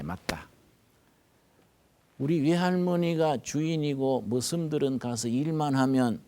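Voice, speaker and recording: Older male pastor, Gyeongsang Korean accent, mid-pitched, folksy storytelling sermon, hushed asides and loud bursts. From North Gyeongsang, Korea.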